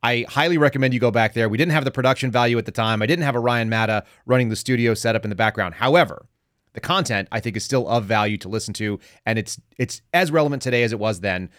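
A man's voice: mid-range voice, quick pace, fairly bright tone, no room sound, clean studio sound. A man hosting a podcast interview in a casual, informal way with a sardonic streak. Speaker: podcast host.

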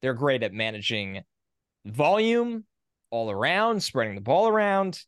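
A young man co-hosting a sports podcast, confident and opinionated. He has a mid-pitched voice recorded close and dry, with no room sound. He runs through lists of facts at an even clip. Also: unhurried, clean tone, no room sound. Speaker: podcast co-host. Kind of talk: casual sports chat.

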